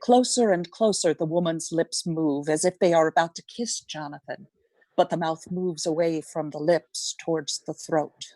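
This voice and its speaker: A woman reading scripted narration for a radio play in a measured, dramatic way. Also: deep voice, mellow, no echo. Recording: close, dry, faint music behind.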